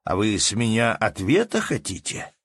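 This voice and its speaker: A man voicing a hot-tempered innkeeper who scolds loudly in folksy speech. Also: lowish voice, very animated, normal speed, dry recording, pitched above the performer's own voice, heavily acted. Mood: angry.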